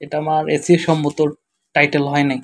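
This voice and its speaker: A tired man with a Bangladeshi accent, speaking quietly and slowly as he walks through a screen-share tutorial. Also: on the high side, completely flat delivery. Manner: quiet, slow, tired-sounding talk. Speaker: web developer teaching SEO.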